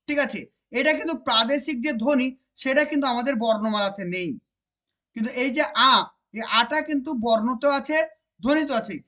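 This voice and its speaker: A woman with a West Bengal accent teaching an exam-prep grammar lesson. She repeats each point and keeps asking whether it is clear. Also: a little high, a bit bright. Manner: repeats points and asks rhetorical check questions; slows down to stress key phrases.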